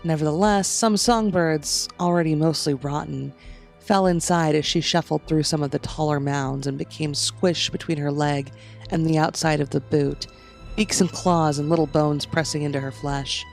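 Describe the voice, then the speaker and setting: A man narrates a scripted horror story in the third person. His voice is on the high side for a man, with clear creaky fry. Quiet music runs beneath it. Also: steady tone, normal speed. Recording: music under the voice.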